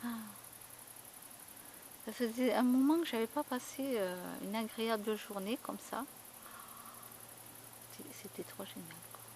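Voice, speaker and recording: A woman's voice: fairly high pitch, a little slow, long pauses, background noise. A woman vlogging in a casual, rambling chat, full of fillers and repeated words. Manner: chatty, rambling storytelling with many fillers and repeats.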